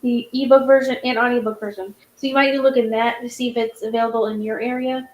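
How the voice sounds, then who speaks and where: A woman's voice: on the high side, fairly even intonation, fast talker. A woman hosting a casual chat about books, rambling with many fillers and restarts. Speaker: host. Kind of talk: casual video-call chat. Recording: roomy echo.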